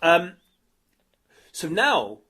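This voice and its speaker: A man hosting a podcast, talking in a lively, restless way and swearing freely. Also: high-pitched, extremely slow, slightly rough. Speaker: podcast host. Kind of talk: casual chat.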